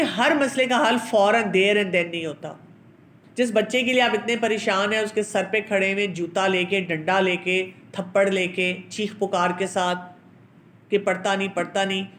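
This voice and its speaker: A woman giving parenting advice in a calm, measured, teacherly way, posing rhetorical questions and dropping in English terms. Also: mid-range voice. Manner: mixes English terms into her speech. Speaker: parenting advisor. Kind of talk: advice talk on parental anger.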